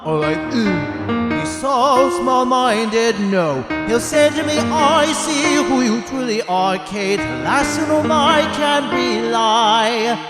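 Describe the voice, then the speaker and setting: A woman acting a hopeful, dreamy young woman in a theatrical musical number. She takes her lines very slowly, half sung. Loud music plays and a long reverb trails her voice. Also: on the high side, animated.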